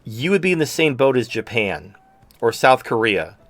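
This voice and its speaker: A man's voice: medium pitch, big pitch swings, moderate pace, fairly bright tone, no echo. A man hosting a podcast in casual chat who keeps mimicking other people's voices. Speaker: podcast host.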